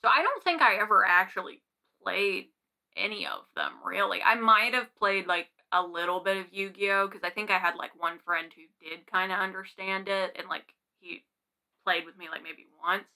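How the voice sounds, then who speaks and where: A young adult woman with an American accent chats casually as a podcast co-host. Her voice is clearly bright, at an ordinary pitch for a woman. She talks informally, working out her thoughts aloud. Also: very animated, normal speed. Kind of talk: casual chat.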